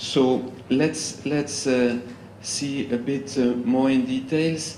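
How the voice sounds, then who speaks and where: A man's medium-pitched, monotone, flat voice at a very slow pace, with audible room echo and noticeable background noise. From France. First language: French. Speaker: EU official. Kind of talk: conference speech. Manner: halting.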